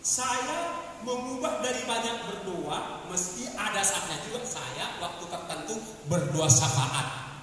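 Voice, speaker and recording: A man preaching a sermon, moving between plain talk, shouted exhortation and prayer, in a church hall. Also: sits high, lively intonation, takes it slowly, far from the mic, slight background noise. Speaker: pastor.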